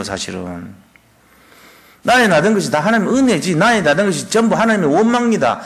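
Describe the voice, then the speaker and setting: A man preaching a sermon, animated, firing off rhetorical questions and acting out people's complaints. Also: high voice. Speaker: pastor. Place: church.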